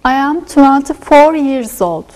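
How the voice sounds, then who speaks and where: A woman answers the teacher's questions in a language class. Her voice is high and her delivery is slow and careful. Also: animated, a little mellow, low-quality recording. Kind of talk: short scripted classroom answers.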